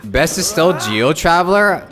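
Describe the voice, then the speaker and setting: A man's voice: a little high, big pitch swings, unhurried. A man doing casual live gaming commentary and chatting with viewers in a blunt, sweary, slangy way. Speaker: game streamer. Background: game music.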